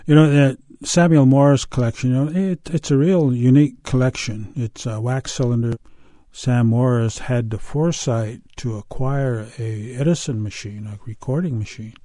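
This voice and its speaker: An older man from the US Pacific Northwest telling a folk tale and talking about old recordings, in a halting, unhurried way with many pauses and fillers. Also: mid-range voice, dark tone, no room sound, studio quality. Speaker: storyteller. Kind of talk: oral storytelling and interview.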